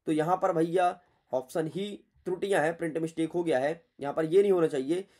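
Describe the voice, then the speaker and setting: A male teacher works through an exam paper in a lesson. His voice sits on the higher side, and he talks in a blunt, chatty way, scolding his students as he goes. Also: brisk, warm tone.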